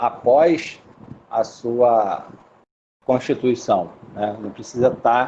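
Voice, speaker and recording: Medium in pitch, a man speaks with a dark, mellow tone. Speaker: law lecturer. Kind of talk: lecture.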